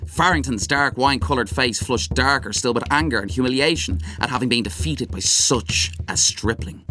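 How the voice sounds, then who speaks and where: A man narrating literary fiction as an audiobook reader, with dramatic, measured storytelling. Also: mid-range voice, sharp tone, slight background noise. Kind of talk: expressive scripted literary narration.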